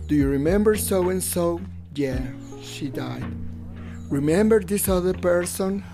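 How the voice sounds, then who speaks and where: A man's voice: high-pitched, lively intonation, unhurried, vocal fry, over music, full character voice. A man voicing an older gay Mexican hairstylist in a conversational, frank voice-over of personal memories. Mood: wistful. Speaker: English voice-over translator of interviewee. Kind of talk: first-person dubbed storytelling.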